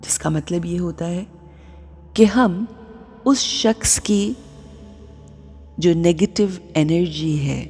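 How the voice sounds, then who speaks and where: Very slow, low-voiced woman guiding meditation. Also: breathy edge, soft background music. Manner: slow, soft and soothing, sometimes dropping to a whisper. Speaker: meditation guide. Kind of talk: guided meditation.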